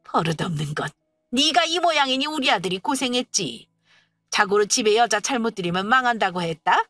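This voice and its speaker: A woman's voice: fairly high pitch, expressive, fairly quick, fairly bright tone, dry recording, faint music behind. A woman voicing a domineering older mother-in-law who lectures with contempt. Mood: contemptuous.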